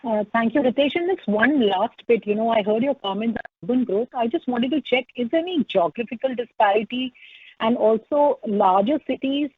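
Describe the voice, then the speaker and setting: A woman's voice: a little high, animated, moderate pace, breathy edge, no echo. A woman asks questions as a financial analyst on a conference call, in hesitant, roundabout, unscripted phrasing. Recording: dry, narrow phone-line audio.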